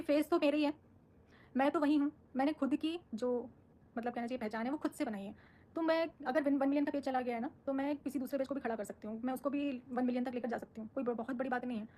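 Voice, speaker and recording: A woman's voice: high-pitched, fast, dark tone. A woman on a live stream, answering her viewers' comments in a firm, defensive, outspoken way. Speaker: social media creator on a live stream.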